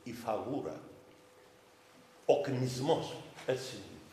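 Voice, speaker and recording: A man with a Cypriot Greek accent, a bishop giving a sermon in a slow, storytelling manner. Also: medium pitch, lively intonation, warm tone, a little hiss or hum. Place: chapel during a vigil service. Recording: echoey chapel reverb with faint ambience.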